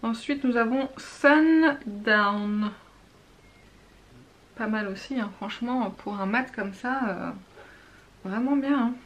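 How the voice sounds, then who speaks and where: A woman's voice: a little high, slow pace, long pauses. Chatty woman gushing over makeup. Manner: chatty, gushing, drops to whispers while swatching. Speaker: beauty vlogger. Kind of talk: casual makeup swatch review.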